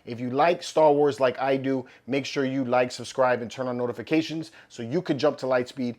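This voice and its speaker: A man hosting a collectibles channel, chatting casually through an unboxing while his voice is going hoarse. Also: medium pitch, steady tone, moderate pace, a little mellow. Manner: upbeat, loose and chatty with fillers. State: losing his voice, slightly hoarse.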